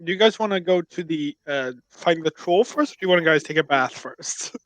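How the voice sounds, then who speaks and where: Man, game master, casual tabletop narration, higher-set voice, close dry sound. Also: lively intonation, moderate pace, a bit bright, no room sound, low-quality recording.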